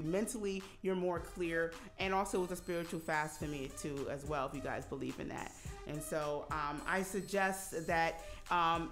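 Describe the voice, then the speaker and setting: A woman in her forties hosting a radio talk show, chatting casually with many fillers and easy laughs. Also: fairly low pitch. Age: 40s. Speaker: radio host. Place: radio studio. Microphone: studio microphone.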